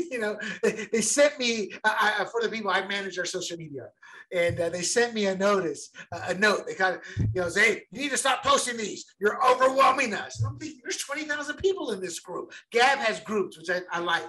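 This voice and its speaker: A man co-hosting a casual sports podcast, talking in an animated, rambling way and repeating words as he gets going. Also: sits high, a little fast, poor audio. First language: bilingual since childhood. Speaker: podcast co-host.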